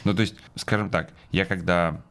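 A man co-hosting a podcast in casual chat, unhurried and thinking aloud as he talks. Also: deep voice, fairly even intonation, fairly bright tone. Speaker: podcast co-host.

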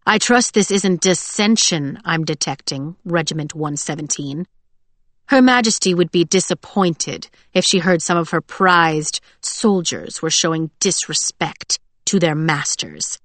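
A woman's voice: deep voice, a little slow, a bit bright, dry recording. A woman voicing a cold, contemptuous male official in an audiobook, clipped and imperious.

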